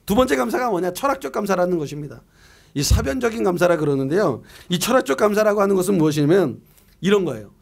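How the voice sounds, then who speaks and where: A man's voice: sits high, sing-song, quick pace, gravelly. A middle-aged man preaching a year-end sermon as pastor, reading scripture aloud and asking and answering his own questions in a conversational way.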